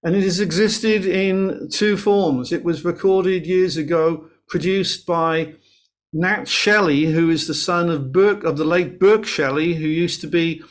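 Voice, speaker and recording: A man's voice: on the high side, measured pace. A man, a guest singer-songwriter chatting and telling a story about his song on a video call, with some restarts. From Wales. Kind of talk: casual interview chat.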